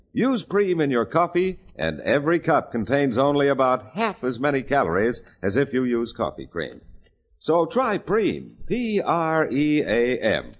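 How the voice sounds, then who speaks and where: A man's voice: medium pitch, husky. A man with an American accent reading ads and credits as an old-time radio announcer, polished and emphatic. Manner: polished, emphatic sales delivery, spelling out words. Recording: vintage radio broadcast with music behind. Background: music.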